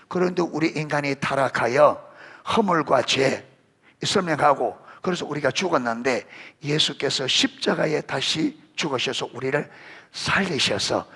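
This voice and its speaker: Male pastor, middle-aged, gravelly voice, lively pitch, sermon that quizzes the congregation. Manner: questions the congregation and calls on children by name; animated, rising emphasis on scripture.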